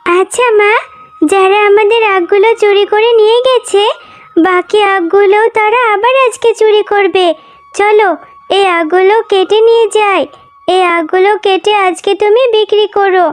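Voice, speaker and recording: A woman's voice: extremely high pitch, steady tone, normal speed. A woman voicing a sweet, clever young fox daughter in a cartoon, with an earnest, childlike manner. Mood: reassuring. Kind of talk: Bengali cartoon voice acting. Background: music.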